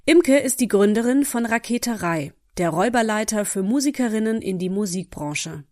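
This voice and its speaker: A woman's voice: mid-range voice, animated, normal speed, a little mellow. A woman hosting a podcast interview, upbeat and friendly as she introduces and questions her guest. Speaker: podcast host.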